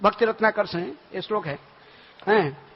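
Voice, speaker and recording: A man's voice: high-pitched, moderate pace, husky. A man giving a devotional storytelling lecture in a temple hall, often asking himself questions and answering them. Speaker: monk lecturer. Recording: lo-fi recording with long hall reverb.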